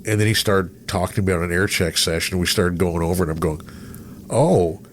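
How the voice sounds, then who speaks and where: Low-voiced man reminiscing casually. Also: brisk, slight background noise. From East Texas, USA. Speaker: radio personality, podcast guest.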